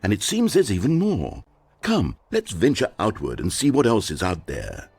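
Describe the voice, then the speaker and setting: A man's voice: fairly low pitch, huge pitch swings, normal speed, a little mellow, breathy edge, no echo, heavily acted. A synthetic male voice playing a smug, dramatic game narrator, pompous and sardonic. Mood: mock-grand. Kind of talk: theatrical narration.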